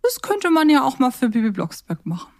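A woman's voice: high-pitched, sing-song, a little fast, a little mellow. A woman chatting casually as co-host of a fan podcast.

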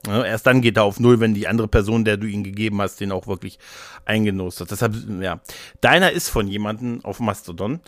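A man with a lowish voice talks a little fast as a podcast co-host, recorded with no echo. His casual chat rambles along colloquially, sprinkled with English slang.

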